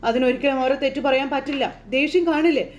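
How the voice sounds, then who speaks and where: A woman in casual style quickly retelling a TV serial episode, slipping into the characters' lines as she goes. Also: high voice, a little hiss or hum. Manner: lively storyteller voicing characters' lines in passing. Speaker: serial recap narrator. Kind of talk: fast casual plot retelling.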